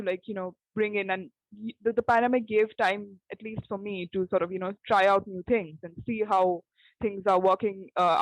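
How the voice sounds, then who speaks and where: A woman's voice: mid-range voice, no room sound, poor audio. A young woman playwright speaking in a roundtable discussion, piecing her thoughts together hesitantly with repetition.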